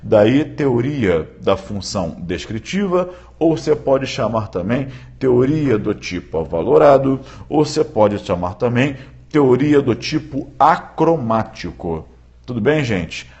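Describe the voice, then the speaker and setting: Animated man teaching law live. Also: mid-range voice, lo-fi sound. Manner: animated, checks in often with viewers; repeats key points slowly for emphasis. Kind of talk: live-streamed law lecture.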